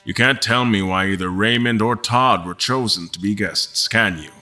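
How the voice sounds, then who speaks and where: An actor playing a frustrated, wry mortal guest in an audio drama, choosing words in a deliberate, formal, dry manner. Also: male voice, lowish voice, bright, forceful tone, faint music behind. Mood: careful, probing. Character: mortal male guest, frustrated, wry, carefully probing captors. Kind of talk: audio drama acting with first-person narration.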